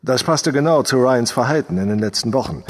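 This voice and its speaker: An actor playing a gruff leader of a militant group in a crime radio play, with a husky voice. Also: male voice, medium pitch, lively intonation, brisk, slight background noise, lightly acted. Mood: doubtful, shaken. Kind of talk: German crime audio drama acting.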